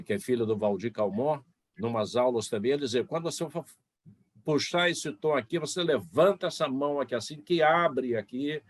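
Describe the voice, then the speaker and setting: A man's voice: mid-range voice, no echo. A man who works as a sports radio announcer, telling anecdotes in a casual panel chat and acting out gestures as he talks. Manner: storytelling, acts out gestures.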